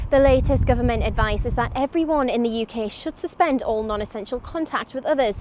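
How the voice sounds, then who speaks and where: A woman talks fairly quickly with hardly any pauses, her high voice showing ordinary pitch variation. Noticeable background noise runs underneath. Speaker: local TV reporter. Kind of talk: TV news voice-over.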